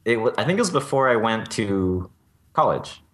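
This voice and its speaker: A man's voice: fairly low pitch, very animated, moderate pace, fairly bright tone. A man co-hosting a podcast in casual chat, talking hesitantly with fillers. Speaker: podcast co-host.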